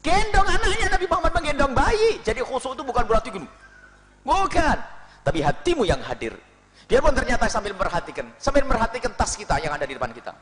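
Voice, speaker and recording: A fast-talking male preacher with a high, lively voice that leaps around as he plays out little scenes. He lectures in a reverberant hall. A large audience can be heard around him. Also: a loud crowd. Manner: animated, acts out little scenes, laughs. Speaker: preacher answering questions. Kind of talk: religious lecture.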